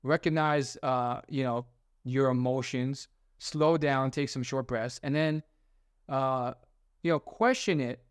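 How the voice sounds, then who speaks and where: A man's voice: medium pitch, steady tone, slow pace, smooth, no echo, clean studio sound. A young man hosting a self-help video, talking through his advice in a rambling, casual way with many fillers and restarts. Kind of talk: casual motivational monologue.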